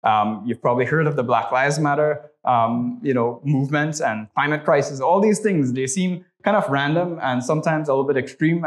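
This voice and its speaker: Leading a prayer and teaching a church class, this young man from Trinidad and Tobago speaks at a medium pitch in a Trinidadian accent. His delivery is conversational and full of "right?" tags.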